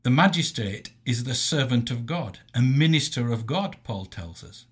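A man with a husky voice of medium pitch reads a scripted theological lecture. His delivery is formal and measured, like a teacher setting out an argument point by point. Quoted passages are marked off with deliberate emphasis. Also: animated. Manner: measured, didactic, emphatic enunciation of quotations. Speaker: Christian lecturer.

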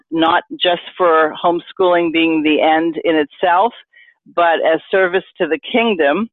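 A woman hosting an interview podcast, asking questions in a measured, conversational way. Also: on the low side, dry recording. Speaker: podcast host. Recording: tinny phone-line sound.

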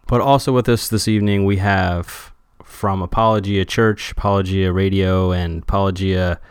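A man's voice: deep voice, fairly even intonation, moderate pace, clean tone, dry recording. A man hosting a podcast, introducing guests and chatting with dry, wry humor. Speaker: podcast host. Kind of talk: casual podcast chat.

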